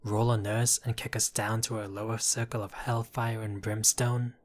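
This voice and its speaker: Male mob boss acted by a man for audio roleplay: unhurried, wry, courteous, a smooth-talking criminal charmer. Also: fairly low pitch. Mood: exasperated. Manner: unhurried, flirtatious, wry, addressing listener as doll. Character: apologetic, charming mobster, exasperated yet courteous. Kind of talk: intimate audio roleplay acting.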